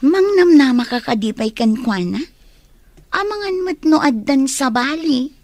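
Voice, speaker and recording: A teasing young Ilocano friend. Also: female voice, sits high, animated, unhurried, a little mellow, dry recording. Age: young adult. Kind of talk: radio drama acting.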